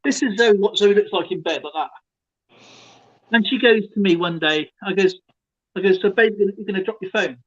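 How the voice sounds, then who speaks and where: Through dull, lo-fi stream audio comes a fairly quick, high-voiced English co-host making casual conversation. He laughs frequently while spinning jokey stories.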